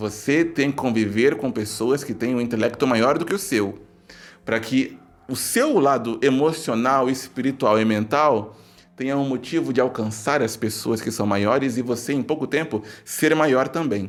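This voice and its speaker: A man talks in an animated tone at medium pitch with ordinary pitch variation. His pace is fairly slow. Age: 30s. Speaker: spiritual teacher and tarot reader. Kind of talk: opinion monologue to camera.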